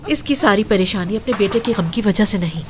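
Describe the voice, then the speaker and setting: Woman doing a bossy older lady, scolds everyone, mid-range voice, no softness. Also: mid-range voice, animated, a little fast, lightly acted. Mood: stern. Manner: scolding, blunt. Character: stern, bossy older woman running a camp kitchen.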